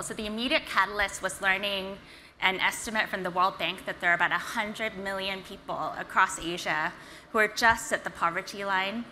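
Bright-voiced woman in a hall. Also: lowish voice, a little hiss or hum. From Singapore. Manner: energetic, earnest, direct. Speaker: startup founder and CEO. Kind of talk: conference talk. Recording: reverberant hall, faint ambience.

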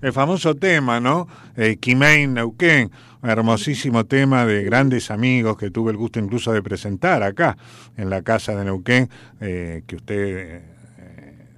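A man's voice: mid-range voice, unhurried, a bit bright. A man with an Argentine accent hosting a radio show, rambling in a chatty, folksy storytelling way. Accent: Argentine Spanish. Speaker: radio host. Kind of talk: casual radio chat.

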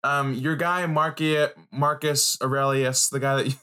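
A man co-hosting a casual podcast, excitable and rambling, often breaking into laughter. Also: on the high side, moderate pace, smooth. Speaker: podcast co-host. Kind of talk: casual chat.

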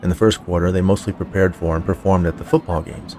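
A man narrating scripted fiction as a storyteller, in a measured, clearly phrased way. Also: low-pitched, steady tone, darkish tone, a faint crowd, slight background noise. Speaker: writer, narrator and podcast producer.

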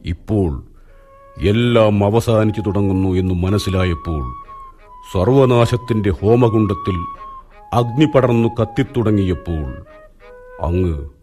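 A wise old royal counsellor in a radio play, his voice very deep and unhurried. He speaks gravely and sternly. Soft music drifts faintly behind him. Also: animated. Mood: admonishing. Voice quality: grave, measured, admonishing. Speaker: radio drama actor. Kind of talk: 1980s Malayalam radio drama acting.

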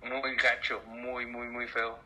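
A man's voice: mid-range voice, slow pace, slight background noise, low-quality recording. A man in his twenties with a Mexican accent, a church musician telling stories in a casual interview and acting out the voices in them. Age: 20s. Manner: animated storyteller, acts out voices.

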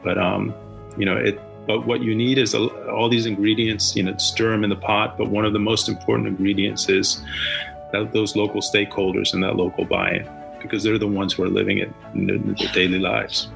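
Gravelly man in his fifties. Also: lowish voice, level tone, fairly quick, a bit bright, soft background music. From Argentina, raised in the US. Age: 50s. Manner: rambling, many restarts and fillers. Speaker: guest, social impact founder. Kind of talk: podcast interview.

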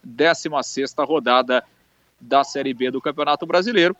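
Brazilian man, radio sports reporter, medium pitch, conversational, informative, dry and slightly lo-fi sound. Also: moderate pace, a bit bright, dry recording. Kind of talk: live match information report.

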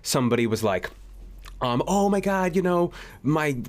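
A man's voice: on the high side, animated, moderate pace. Rambling young man chatting casually. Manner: rambling, heavy use of "like". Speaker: podcast co-host, producer. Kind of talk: casual group chat over a voice call.

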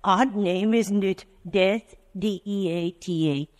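An actor playing a genteel, fussy agent of death in an old radio drama, eerily courteous and hesitant. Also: male voice, sits high, slow pace. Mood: prim, eerily polite. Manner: prim, hesitant, soothingly courteous. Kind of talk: 1940s radio drama acting.

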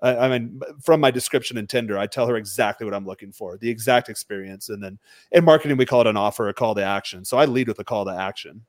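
A man, a dating coach and podcast guest, explains his methods in a measured, lecturing way. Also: fairly low pitch, dry recording, studio quality. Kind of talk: podcast conversation.

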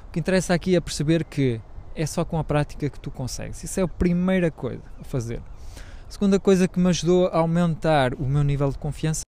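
A man's voice: fairly high pitch, quick pace, warm tone. A man hosting his own podcast in a casual, rambling monologue, hesitant and full of fillers, speaking Portuguese with a French accent. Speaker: podcast host.

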